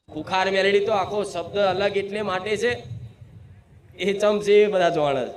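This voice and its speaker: In an echoey room with a faint hum of ambient noise, a high-pitched male medium speaks as the goddess in a possessed devotional sermon. He declaims forcefully, commands the crowd, and leads them in call-and-response chanting.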